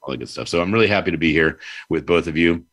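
A man's voice: low voice, rapid-fire, a bit bright. A man hosting an interview show, upbeat and rambling in casual chat. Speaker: podcast host.

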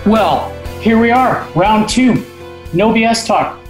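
A man's voice: high voice, takes it slowly, soft background music. Conversational man hosting, echoey room. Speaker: host. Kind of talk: casual talk show chat.

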